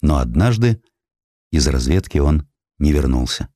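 A man reading a scripted historical sketch as an audiobook narrator, in an expressive, dramatic storytelling manner. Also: extremely low pitch, measured pace, no room sound, clean studio sound. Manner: expressive storytelling, acting out quoted speech.

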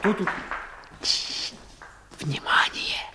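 An actor playing a hot-headed, urgent Red detachment fighter in a Soviet radio drama. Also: male voice, very slow, in a whisper, a faint crowd, full character voice. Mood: cautious. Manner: excitable, urgent, colloquial. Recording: noisy radio play recording with clicks.

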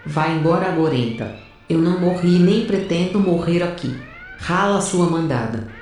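A woman's voice: on the low side, expressive, moderate pace, darkish tone, very echoey, recorded from a distance, faint music behind, natural voice. An actress playing a bold, brash female space first officer in an audio drama. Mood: urgent, commanding. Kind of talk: audio drama narration and dialogue.

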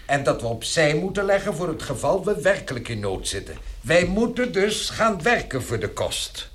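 An actor playing a stern, practical middle-aged father in a radio drama, with a measured, authoritative manner. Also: a little high, sing-song, fairly bright tone. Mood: grave, practical.

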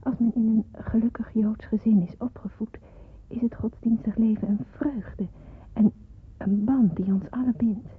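An actress playing a devout, earnest young Jewish daughter in a radio drama, speaking in a solemn, measured, breathy way. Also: female voice, on the high side, steady tone, a little hiss or hum, natural voice. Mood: reflective, earnest. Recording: muffled, phone-like old radio play recording.

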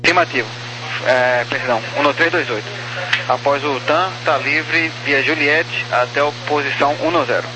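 A Brazilian man working as an air traffic controller, giving clearances over the radio. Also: a little high, moderate pace. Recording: noisy aviation radio with hum.

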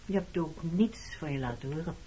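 A woman's voice: sits low, moderate pace, dark tone, natural voice. An actress playing a guarded, pointed woman in her early thirties in a Dutch radio play. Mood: wry, reproachful. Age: 30s. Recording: dull lo-fi radio recording, clear noise.

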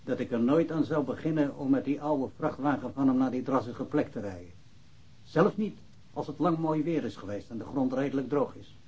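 An actor playing a plain-spoken, doubting colleague of police detectives in a radio play. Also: male voice, mid-range voice, normal speed, mellow, breathy edge, close to an everyday voice. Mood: measured, doubtful. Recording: muffled radio play recording, faint music.

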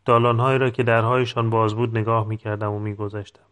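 Calm male audiobook narrator. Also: on the low side. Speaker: audiobook reader. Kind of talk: scripted literary narration.

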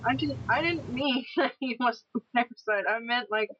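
A woman co-hosting a casual chat at home, playfully asking quick personal questions. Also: a little high, fairly bright tone. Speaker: podcast co-host. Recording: muffled lo-fi home recording, faint hiss.

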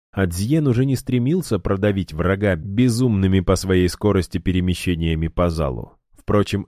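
A man narrating a fantasy novel in an even, measured way. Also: sits low, dry recording, clean studio sound. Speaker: audiobook narrator.

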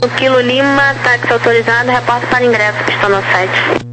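A woman's voice: fairly high pitch, fairly quick, sharp tone. Brazilian woman air traffic controller on noisy radio. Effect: aviation radio. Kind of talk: radio phraseology, procedural instructions. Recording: noisy aviation radio with hum.

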